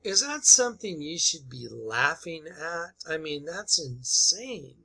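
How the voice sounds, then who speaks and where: Emphatic man with a very bright, forceful voice. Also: fairly high pitch, big pitch swings, takes it slowly, gravelly. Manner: emphatic, repetitive, incredulous. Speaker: online video commentator. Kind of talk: informal opinion commentary over played clips.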